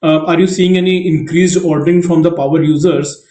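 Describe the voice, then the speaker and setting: A man speaking as a financial analyst, politely asking a question on an earnings call in halting phrases. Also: on the high side, fairly even intonation, warm tone. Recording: echoey roomy call audio.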